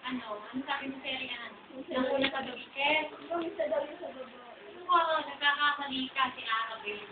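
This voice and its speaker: A woman teacher talking fondly to her pupils at a graduation, scolding them gently and often asking "ha?". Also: sits high, normal speed, heavy background noise. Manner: fond, scolding, often asks "ha?". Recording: far-off echoey tinny home video with loud ambience.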